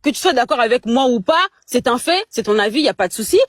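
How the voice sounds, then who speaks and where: A woman's voice: on the high side, expressive, fast talker, crowd noise. A young Congolese woman in a heated casual chat, speaking French with a Congolese accent, emphatic and indignant, stumbling over repeated words. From Democratic Republic of the Congo. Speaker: guest on a live chat.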